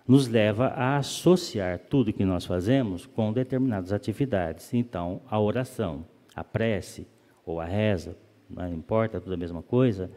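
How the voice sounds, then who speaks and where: A man giving a calm, explanatory spiritist lecture, often asking rhetorical questions. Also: lowish voice. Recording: long reverb of a hall.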